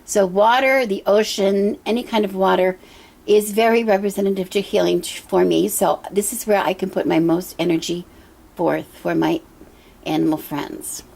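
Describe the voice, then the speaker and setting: A middle-aged woman with a hoarse voice from a cough, talking at home in a casual show-and-tell vlog, gentle and meandering with many ums and pauses. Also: medium pitch, fairly even intonation. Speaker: pagan altar vlogger. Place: indoor room at home with a water feature. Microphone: camera she handles herself.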